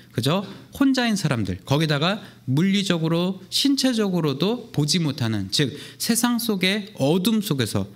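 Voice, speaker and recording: A young man preaching a sermon as a youth pastor, telling the story with lively storytelling and acting out the voices of the people in it. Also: high voice.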